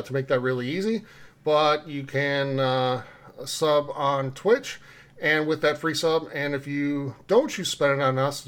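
Casual male podcast host, slightly high-pitched. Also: a bit bright. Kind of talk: casual podcast talk with community announcements.

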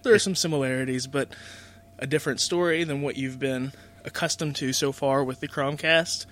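A man's voice: medium pitch, steady tone, normal speed, a bit bright. A man co-hosting a podcast, giving a casual, conversational introduction. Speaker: podcast co-host. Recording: faint noise and hum.

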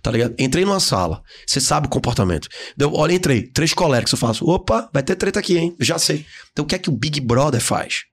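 A Brazilian man guesting on a podcast, talking in slangy casual chat and acting out the people he describes in sudden high voices. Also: expressive, quick pace, hardly any pauses, fairly bright tone, husky. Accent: Brazilian Portuguese. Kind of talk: animated casual podcast talk. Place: podcast studio.

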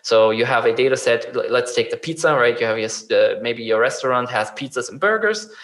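A man's voice: medium pitch, animated, fairly quick, a bit bright. Man explaining at length with many restarts. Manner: hesitant, many fillers and restarts, explains with examples. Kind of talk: casual conversation about chatbot design.

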